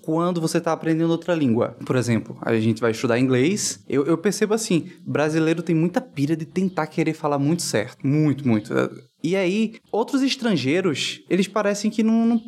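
A man's voice: fairly high pitch, lively intonation, fairly quick, darkish tone. A man hosting a podcast, talking casually and reflectively. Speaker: podcast host. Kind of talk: casual chat.

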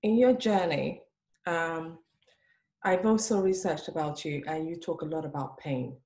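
A woman hosting an interview show, asking questions in a halting, self-correcting way. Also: deep voice, a little mellow. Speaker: host.

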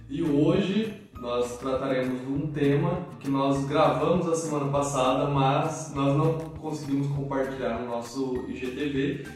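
A man hosting a live-stream Q&A series, opening it in an orderly, announcing way. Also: medium pitch. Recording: echoey room, far from mic, faint music.

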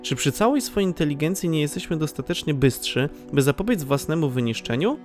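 Slightly high-voiced male storyteller. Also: animated, fairly quick, a little mellow. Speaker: narrator. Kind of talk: scripted audio drama narration. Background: faint music.

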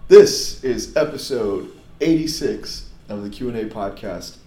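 A hoarse man who has lost his voice, hosting a casual podcast and breaking into excited whoops. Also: on the low side, unhurried. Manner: excitable, bursts into loud whoops. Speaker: podcast host. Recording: echoey room with faint noise.

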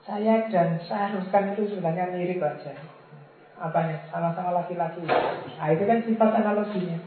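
A man's voice: sits high, a little fast, noisy background. A man giving an informal religious lecture, teasing his listeners with playful examples. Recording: tinny, echoey, far from mic.

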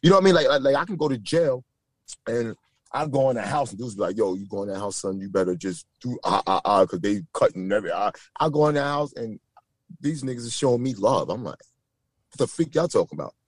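A man with a New York accent tells stories from his youth as a guest, circling back on his points and restarting his sentences often. His voice sits at a middle pitch. The sound is dry and close to the mic. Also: fast, dry recording. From Brooklyn, New York. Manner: repeats himself, stacks fillers and restarts, animated. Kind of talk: casual interview storytelling.

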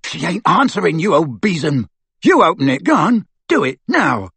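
A man voicing a brutish, crude male henchman who bellows in rough, ungrammatical speech. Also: a little high, very animated, normal speed, fairly bright tone, no echo, voice pushed up, exaggerated voice. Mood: bullying.

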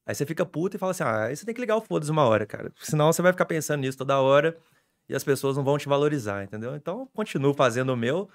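Fast-talking animated man. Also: on the high side. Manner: animated storytelling, excitable. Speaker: sports reporter. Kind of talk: casual podcast chat.

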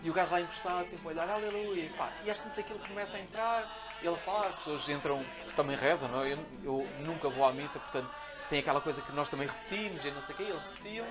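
A man with a European Portuguese accent, a podcast guest telling a travel story in a casual, animated way, acting out the quotes. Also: a little high, racing, over music. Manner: animated, excitable, acts out quotes.

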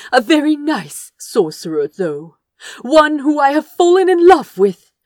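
A woman's voice: medium pitch, no echo, studio quality, pitched above the performer's own voice. A woman voicing an earnest, indignant young prince in an audiobook, speaking firmly with precise, emphatic phrasing. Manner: firm, precise, emphatic speech. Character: young man, earnest, indignant prince defying his brother. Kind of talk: dramatic audiobook character dialogue.

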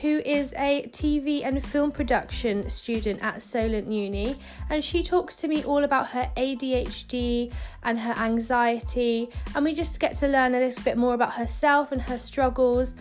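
A woman hosting a podcast with a slightly high voice. She asks friendly, rambling questions with plenty of ums and likes. Her tone stays easygoing throughout. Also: moderate pace, soft background music. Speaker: podcast host. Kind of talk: podcast interview.

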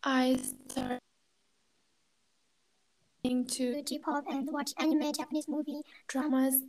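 A young woman's voice sits high, well above the usual range for women. She was raised in China and speaks Kazakh as her mother tongue, so her English comes out careful and halting. She fills gaps with little hesitations as she recounts her experiences to the interviewer. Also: level tone, a little mellow, rough recording. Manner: hesitant, searching for words, non-native phrasing. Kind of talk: casual conversational interview.

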